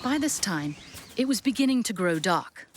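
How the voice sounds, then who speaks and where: A woman narrating a classic story for an audio drama in an expressive, measured storybook style. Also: mid-range voice, heavy background noise, lightly acted.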